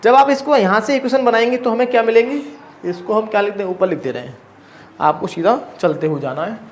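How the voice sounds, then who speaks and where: A high-pitched man lectures through a math problem, checking in with the class through constant rhetorical questions. His tone stays casual and friendly. The echoey room adds a faint hum of ambience behind him. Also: brisk. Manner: explains step by step, asking the class rhetorical questions; casual and chatty, calls students brother. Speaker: math teacher. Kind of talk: blackboard lecture.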